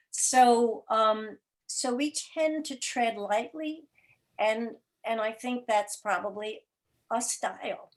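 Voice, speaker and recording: A woman speaking as a producer and interview guest, explaining her work and thinking aloud in careful, halting phrases. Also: on the high side. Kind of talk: explanatory panel interview talk.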